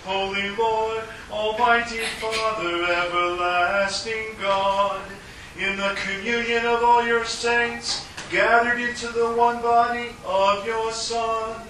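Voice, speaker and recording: A pastor reading names of the departed and the communion liturgy in a slow, solemn way, with a cathedral echo. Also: male voice, sits high, little pitch movement, pushed and bright, a little hiss or hum. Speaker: pastor leading worship. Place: large church sanctuary. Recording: distant mic in a cavernous echoing church, organ music.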